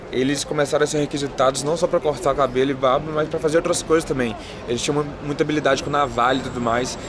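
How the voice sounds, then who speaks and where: A man from Brazil with a Brazilian accent, a native Portuguese speaker, chatting casually as he hosts a street travel vlog. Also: mid-range voice. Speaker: travel vlogger, host. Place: city streets, outdoors. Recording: busy street crowd noise.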